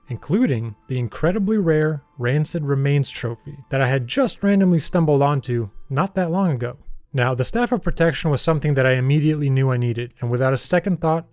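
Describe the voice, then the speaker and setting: A man's voice: on the high side, a little mellow, no room sound. A young man narrating his gameplay in a voice-over, with dry, self-deprecating humor. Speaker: gaming YouTuber narrating his playthrough.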